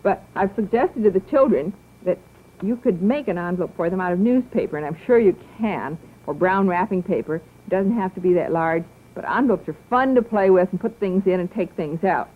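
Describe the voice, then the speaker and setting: A middle-aged woman hosting a children's television show, coaxing and teacherly, talking slowly and sweetly to young viewers and then to their parents. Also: on the low side, animated, slightly rough. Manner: slow, coaxing, sing-song teacherly delivery. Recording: tinny old 1950s broadcast audio.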